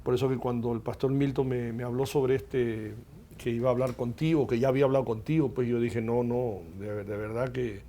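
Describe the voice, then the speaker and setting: A middle-aged man hosting a Christian television interview in a studio, effusive and warm, often adding "verdad?". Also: medium pitch, steady tone, fairly quick, a little hiss or hum. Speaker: host.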